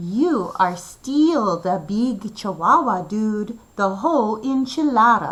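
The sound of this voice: A woman's put-on character voice in a Spanish accent, fairly high in pitch, at a fairly slow pace with hardly any pauses.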